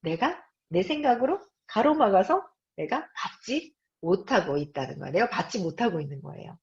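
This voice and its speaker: A woman's voice: medium pitch, sing-song, moderate pace, husky. A woman in her fifties hosts a live-streamed book talk, speaking straight to her audience and acting out her own thoughts and voices. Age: 50s. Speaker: host. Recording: dull lo-fi sound.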